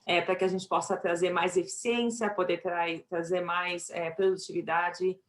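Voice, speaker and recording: A woman's voice: on the low side, steady tone, moderate pace. A woman with a Brazilian accent, a chief executive presenting her company on a business panel.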